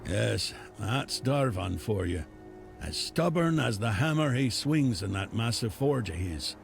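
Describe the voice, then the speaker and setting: Gravelly, solemn fantasy tribal leader. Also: male voice, mid-range voice, lively intonation, unhurried. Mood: bitter. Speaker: video game character. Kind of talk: dramatic fantasy game dialogue. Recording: game dialogue over clear music.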